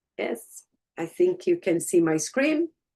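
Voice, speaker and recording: With a Portuguese accent, a woman talks with ordinary pitch variation. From Brazil. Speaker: network marketing presenter. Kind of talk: sales pitch.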